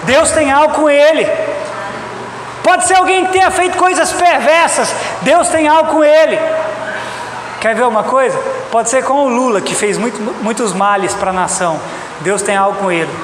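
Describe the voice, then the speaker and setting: A man's voice: extremely high pitch, moderate pace. A Brazilian man preaching a sermon, speaking emphatically and repeating his points as he addresses the congregation directly. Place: reverberant church hall. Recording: echoey hall, loud background noise.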